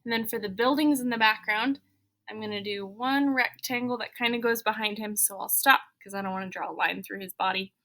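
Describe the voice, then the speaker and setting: An elementary school teacher talks at a fairly quick clip in a medium-pitched, bright, forceful voice. She coaches children through a drawing, one step after another, with simple encouragement and running thoughts spoken aloud.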